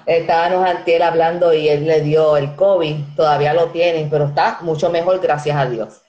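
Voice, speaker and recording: Her voice low and warm with a steady tone, a Dominican woman in her thirties reads out viewers' comments and names during a casual live stream, unhurried and pausing often, friendly and laughing easily. She speaks with a Dominican Spanish accent. The recording, made with an earphone headset mic in a small echoey room, sounds muffled.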